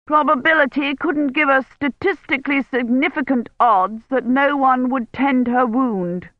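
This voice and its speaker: A woman's voice: high-pitched, measured pace, no room sound, voice pushed up. A woman reading a novel aloud, voicing a stiff, officious male project director who speaks in a curt, condescending way. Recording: dry, slightly dull lo-fi recording.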